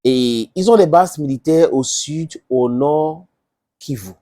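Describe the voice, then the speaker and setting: Speaking slowly in a mellow, mid-range voice, this Southern Cameroonian commentator talks to viewers in a Cameroonian accent, English being his first language. His informal political remarks are impassioned, full of emphatic repetition and rhetorical questions.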